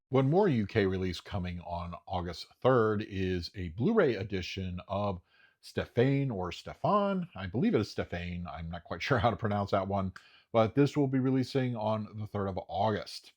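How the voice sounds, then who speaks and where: A man casually talking through upcoming disc releases in a chatty, enthusiastic way, often pausing with "uh". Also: sits low, a little mellow, dull audio. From United States. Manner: chatty, enthusiastic, frequent uh fillers. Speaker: home video reviewer. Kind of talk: casual solo commentary.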